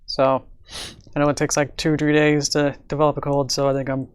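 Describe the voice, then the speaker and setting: A man live-streaming from home at his computer, talking in a rambling, stop-start way with a raspy voice while coming down with a cold. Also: a little high, monotone, brisk. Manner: rambling, with many fillers and stammered restarts. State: coming down with a cold, sore throat. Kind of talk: casual live-stream chat.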